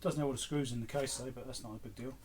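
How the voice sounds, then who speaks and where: A middle-aged man gives casual, unscripted vlog commentary. His voice sits at a medium pitch. He muses aloud as if talking to himself, with faint noise and small clicks in the background. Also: steady tone, racing, darkish tone. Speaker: host of an electronics repair channel. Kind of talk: casual off-the-cuff vlog commentary while sorting through items.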